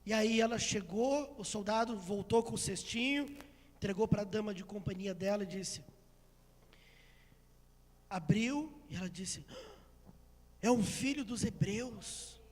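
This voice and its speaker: A man from Brazil preaching a sermon, retelling a story dramatically with acted quotes and swells to shouts. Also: sits high, measured pace, long pauses. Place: church sanctuary. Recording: long hall reverb.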